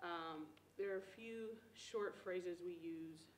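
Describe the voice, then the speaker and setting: A woman's fairly slow, fairly even delivery with audible room echo. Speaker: community organization director. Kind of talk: panel presentation. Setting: classroom event with audience.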